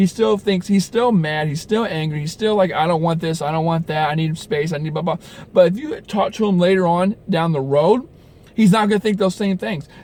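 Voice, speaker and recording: A man speaks at a high pitch and a fairly quick pace. His pitch varies in an ordinary way. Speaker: dating coach. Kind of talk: advice monologue to camera. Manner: fast, rushing; casual with many fillers and repetitions.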